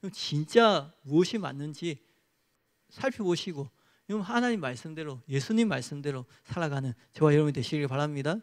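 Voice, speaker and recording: A man's voice: on the high side, a little fast, darkish tone. A male pastor preaching a sermon and leading a closing prayer in an earnest, exhorting manner.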